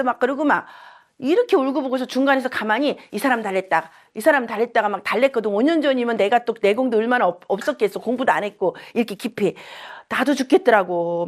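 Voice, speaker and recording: A middle-aged woman who works as a shaman and saju teacher, giving a casual lecture full of personal stories and acting out the voices of people she quotes. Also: a little high. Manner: chatty, animated storytelling, acts out quoted voices.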